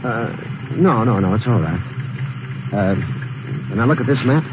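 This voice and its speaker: A man's voice: mid-range voice, animated, normal speed, close to an everyday voice. An actor playing a terse young man on the run, guarded and edgy, in a 1950s radio crime drama. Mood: guarded, nervous. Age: young adult. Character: young male fugitive hitchhiker, terse, nervous, menacing. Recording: noisy, dull old radio recording.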